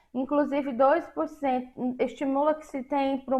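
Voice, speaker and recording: A woman's high-pitched voice. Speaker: school science teacher. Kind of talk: online class lecture.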